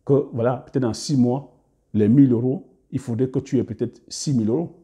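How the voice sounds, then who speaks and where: A man giving business advice to camera in a casual monologue, hesitant, with many fillers and restarts, often trailing off quietly at the ends of phrases. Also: medium pitch, brisk. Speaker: business coach YouTuber.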